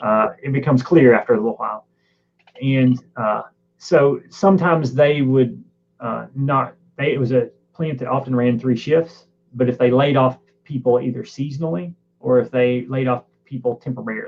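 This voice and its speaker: A man speaks with an Arkansas accent at a moderate pace. Long, frequent pauses break up his speech. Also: medium pitch for a man, ordinary pitch variation. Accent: Arkansas Southern. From US South, Arkansas. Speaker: economics professor. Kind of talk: presentation with Q&A in online meetup. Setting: virtual live stream. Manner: hesitant, many fillers and repeats.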